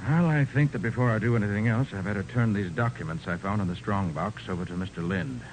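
An actor playing a brisk, confident male private detective in a 1940s radio crime drama. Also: on the low side, natural voice. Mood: authoritative. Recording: noisy 1940s radio recording.

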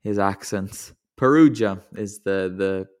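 Podcast host, male, low-pitched, rambling, self-deprecating. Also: slow pace, a little mellow, smooth. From English-speaking country. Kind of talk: casual football podcast chat. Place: lives in Italy.

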